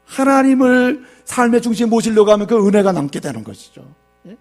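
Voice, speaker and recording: A man's voice: very high voice, big pitch swings, brisk, a little mellow. A male pastor preaching a sermon in a church, often asking the congregation questions and telling jokes. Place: church sanctuary.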